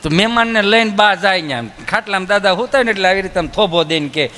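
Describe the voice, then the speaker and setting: A man tells rural jokes as a folk comedian in a high-pitched voice. His tone is bright and ringing. The sound carries a long hall echo, with faint music under it. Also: fast. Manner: acts out villagers' voices in his tales. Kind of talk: Gujarati folk comedy storytelling on stage.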